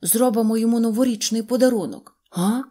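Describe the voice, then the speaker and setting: A woman voicing a shy little rag toy dog, mellow and eager. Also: a little high, fairly quick, lightly acted.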